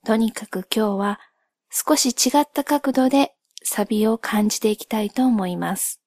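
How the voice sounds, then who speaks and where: Softly spoken woman, dry close sound, unhurried. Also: on the high side, dry recording. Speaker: host of a solo spoken channel.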